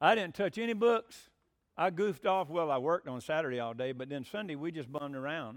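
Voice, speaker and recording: Fairly quick and fairly high-pitched, a man with an American accent has a plain, everyday voice and lively intonation. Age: 60s. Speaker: pastor. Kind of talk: sermon.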